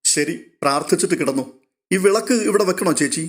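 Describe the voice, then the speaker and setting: A man voicing a caring young woman, gently firm, his voice raised a little as he reads her lines in a storybook reading. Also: a little high, expressive, fairly quick, voice pushed up, lightly acted. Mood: coaxing.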